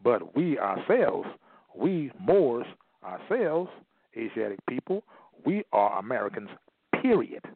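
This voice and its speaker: A man delivering a forceful lecture at a middle pitch, repeating key phrases for stress and sometimes reading from a page. The sound is thin and phone-like, with no room echo at all. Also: very animated, takes it slowly, creaky. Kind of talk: emphatic lecture, partly read aloud. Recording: tinny phone-like line, dry.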